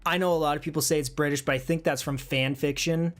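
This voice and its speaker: A livestream host talks casually to viewers, thinking aloud with hesitant, musing pauses. The voice sits at a middling pitch. Faint music plays quietly underneath. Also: fairly even intonation. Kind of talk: casual livestream chat, reading comments.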